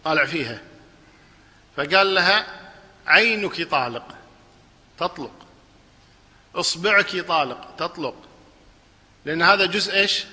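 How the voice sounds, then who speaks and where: A man's voice: fairly high pitch, a little slow, long pauses, big-room sound. A man teaching a religious lesson, explaining a text and asking his class questions that he then answers himself. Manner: lively, asks the class questions and answers them. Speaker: Islamic scholar teaching a lesson.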